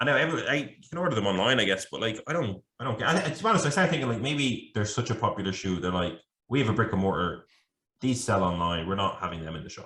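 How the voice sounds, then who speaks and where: Very fast and bright, a man with an Irish accent talks at a medium pitch with a sharp tone and very wide pitch swings. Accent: Irish accent noticed abroad. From Ireland, Dublin. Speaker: podcast co-host. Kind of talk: casual chat.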